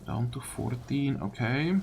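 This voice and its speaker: A man giving casual let's-play commentary, thinking aloud as he deliberates over his choices. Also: medium pitch, noisy background. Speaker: gamer commentating his playthrough. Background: faint game music.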